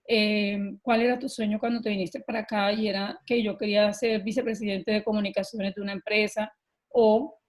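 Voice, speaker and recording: A middle-aged Colombian woman telling her own story as a podcast guest, earnest and animated, often pausing with filler words. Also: medium pitch. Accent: Colombian Spanish. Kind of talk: personal storytelling in an interview.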